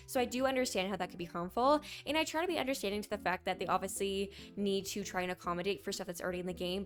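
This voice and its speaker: A young woman with a hoarse, raspy voice from a sore throat, chatting casually as a gaming news commentator and reading posts aloud. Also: mid-range voice.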